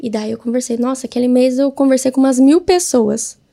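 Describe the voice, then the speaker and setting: A woman's voice: sits high, fairly even intonation, fairly quick, gravelly, dark tone. A woman, a guest entrepreneur, telling her story in a casual interview and acting out her own past words.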